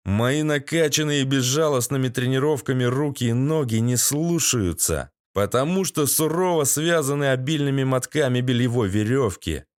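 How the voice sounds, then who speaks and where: A man's voice: mid-range voice, normal speed, few pauses, dry recording, clean studio sound. A man reading a first-person audiobook in a gritty, sardonic storytelling manner. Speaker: audiobook narrator.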